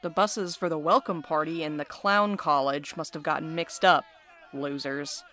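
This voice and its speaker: A cocky male wisecracker played by an actor with a highish, sharp-edged voice. He teases and needles in sardonic audio drama banter. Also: steady tone, normal speed. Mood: sarcastic. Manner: sardonic, teasing. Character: cocky, wisecracking, sarcastic night postal worker with menace. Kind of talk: audio drama dialogue, conversational.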